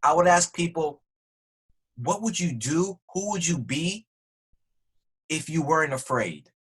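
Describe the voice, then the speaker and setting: A man being interviewed as a podcast guest, talking earnestly and growing animated when excited. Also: a little high, unhurried, husky. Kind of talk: conversational interview.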